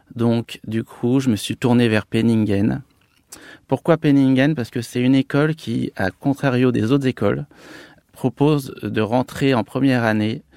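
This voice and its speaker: A man with medium pitch and a dark, mellow tone speaks at a fairly slow pace with fairly even intonation. The sound is dry and close with no echo, on a very clean recording with a silent background. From Annecy, Haute-Savoie, France. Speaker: interior architect and designer. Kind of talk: interview.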